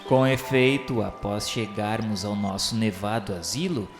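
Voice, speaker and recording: A man's voice: fairly low pitch, a little slow. A man with a Brazilian accent narrating an audio novel in a formal, solemn, declamatory and earnest literary style. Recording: echoey hall reverb with music behind. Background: music.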